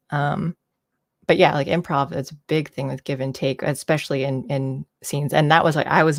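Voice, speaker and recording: Soft-spoken and very deep in pitch, a woman with an American accent talks with fairly even intonation, recorded very cleanly against a silent background with a dry, close sound and no echo. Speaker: live streamer, movie reviewer. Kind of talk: casual live stream chat.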